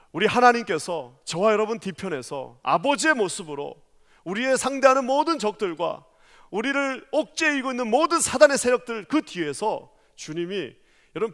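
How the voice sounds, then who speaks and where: A man preaching a passionate sermon as a pastor, raising his voice to act out the words of others. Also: sits high. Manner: impassioned preaching, rising to loud taunting voices for quoted people. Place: large church sanctuary. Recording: long church reverb.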